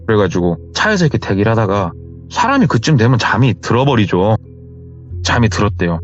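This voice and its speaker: A man telling a story in a chatty, casual way, relaying what he heard, over muffled sound with faint music. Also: on the low side. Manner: chatty retelling of hearsay. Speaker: horror story narrator.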